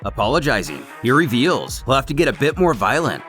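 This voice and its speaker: A man's voice: mid-range voice, sing-song, fairly quick. A man narrating a scripted story recap in the manner of a dramatic retelling, with music behind him. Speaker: narrator of a fan comic series.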